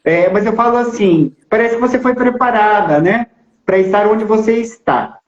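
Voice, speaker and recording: High-voiced man host in an echoey room. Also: normal speed. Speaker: host interviewer. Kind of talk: casual live interview. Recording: roomy, dull lo-fi sound.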